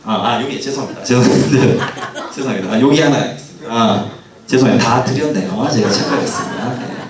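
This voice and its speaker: A man giving a lively history lecture, who asks the audience questions and acts out the lines of the people in his story. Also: medium pitch, fast, a crowd in the background. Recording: roomy hall sound, mic at a distance.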